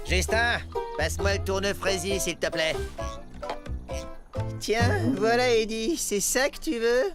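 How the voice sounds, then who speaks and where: An actor playing an excitable, bickering, scatterbrained young male worker critter in a children's cartoon, with animated exclamations. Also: medium pitch, slow, long pauses, music in the background, close to an everyday voice. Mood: bickering, playful.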